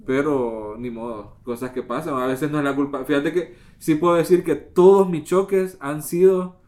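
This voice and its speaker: A young man, a podcast host telling relaxed, slangy stories in casual chat. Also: on the high side, normal speed.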